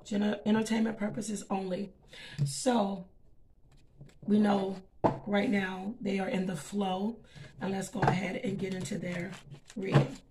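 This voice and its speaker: A woman's voice: medium pitch, flat delivery, a little slow, pauses often. Scratchy-voiced woman doing a tarot reading. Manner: chatty, frequent um and okay. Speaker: tarot reader. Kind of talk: casual tarot reading to camera.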